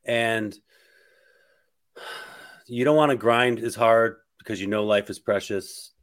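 A man's voice: fairly low pitch, fairly even intonation, takes it slowly. A man in his late forties hosting a podcast interview, encouraging his guest and laughing easily. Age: 40s. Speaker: podcast host. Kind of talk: casual interview chat.

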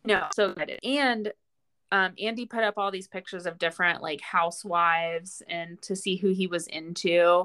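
A woman's voice: fairly low pitch, fairly even intonation, moderate pace, fairly bright tone, clean tone. A middle-aged woman chats as co-host of a reality TV recap podcast. Her delivery is informal and giggly, like talk between friends. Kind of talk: casual reality TV recap chat.

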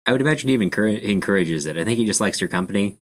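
A man's voice: lowish voice, lively intonation, racing. A man co-hosting a book discussion podcast, friendly and engaged, speaking to the listeners. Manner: friendly, engaged, laughs easily. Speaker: podcast co-host.

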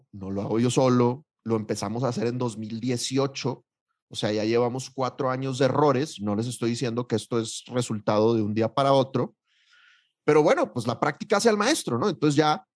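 A man with a Mexican accent co-hosting a business podcast, talking in an animated, slangy, emphatic way. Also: mid-range voice. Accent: Mexican Spanish. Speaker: podcast co-host. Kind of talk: casual podcast chat.

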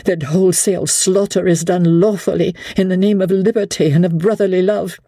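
Woman reader voicing an anxious, husky, refined young lady. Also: on the low side, fairly even intonation, a little fast, dark tone, no echo, clean studio sound, voice pushed up, close to an everyday voice. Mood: anxious, pleading. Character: anxious, earnest young Frenchwoman, refined and dramatic.

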